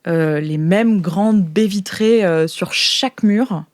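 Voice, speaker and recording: A woman's voice: mid-range voice, slow, a little mellow, no room sound. Female game master. Mid-range voice, very dry recording, conversational scene-setting made up on the fly. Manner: casual, conversational. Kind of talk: improvised scene narration for a tabletop game.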